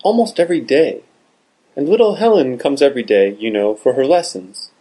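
A man voicing a gentle invalid woman who speaks fondly in a storybook reading. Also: mid-range voice, lively intonation, a little fast, lightly acted, poor audio.

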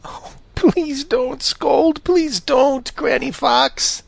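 A man's voice: extremely high pitch, steady tone, extremely slow, creaky, no echo, voice pushed up, full character voice. A man doing a whimpering hurt young fox.

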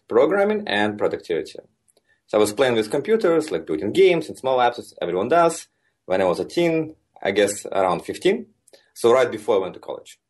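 A Russian software engineer in his thirties, speaking with a Russian accent, explains his work as a guest in a conversational interview. His mid-range voice is husky, and he stays relaxed and explanatory, sprinkling in lots of fillers like "like" and "you know."

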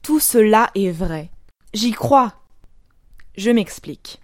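A woman reading a classic short story aloud in a measured, deliberate way, with dramatic pauses. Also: mid-range voice, lively intonation, dry recording, clean studio sound. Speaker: audiobook narrator.

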